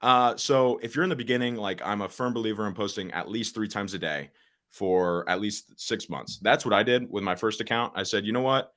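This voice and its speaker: A man's voice: brisk, fairly bright tone. A man in his late teens, a social media coach, speaking as a podcast guest in a straightforward way, with many fillers and restarts. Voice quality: deep voice. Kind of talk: casual podcast interview.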